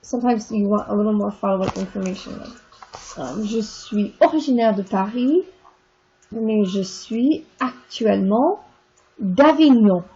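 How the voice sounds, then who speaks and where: Slow, husky-voiced woman teaching. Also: medium pitch, dark tone, highs cut off. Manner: patient, explanatory, repeats and spells out examples. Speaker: French teacher. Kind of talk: recorded lecture walking through textbook exercises.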